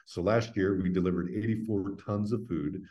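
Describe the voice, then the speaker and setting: A man's voice: low voice, steady tone, normal speed, warm tone. A middle-aged American man speaking as an interview guest, earnest and plain-spoken, explaining things conversationally and often checking in with "right?". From United States. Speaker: interview guest, veterans' foundation representative.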